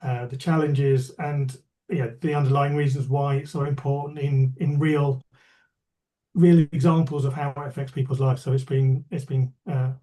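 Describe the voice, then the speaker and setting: A man's voice: mid-range voice, steady tone, moderate pace, warm tone, low-quality recording. A man giving polite closing remarks on a video call, with fillers and repeated words. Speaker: chief executive.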